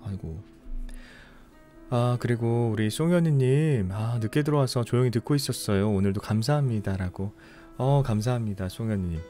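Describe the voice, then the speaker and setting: Worn out from a long broadcast, this young host of a late-night book-reading stream from Ulsan, South Korea, speaks in a mid-range voice. He reads out listener comments in casual chat, soft and unhurried, apologizing and thanking people as he goes, with faint music in the background.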